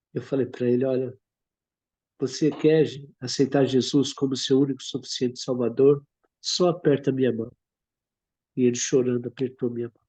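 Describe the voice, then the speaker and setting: A man with a medium pitch and a dark, mellow tone speaks at a moderate pace in a flat monotone, leaving long, frequent pauses as his loudness swings widely. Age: 60s. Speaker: lay preacher. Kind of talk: testimony.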